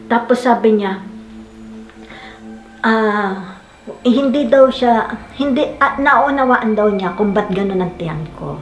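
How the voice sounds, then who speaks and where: Filipina woman vlogger telling a personal story. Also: medium pitch. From Philippines. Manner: animated, laughing, quoting her husband. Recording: echoey room with faint noise.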